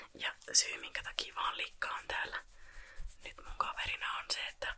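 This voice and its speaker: Whispering in a relaxed tone, a woman speaks at a fairly slow pace. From Finland. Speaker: ASMR artist. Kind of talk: whispered ASMR casual talk to camera. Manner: soft-spoken, relaxed. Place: home room. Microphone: studio mic.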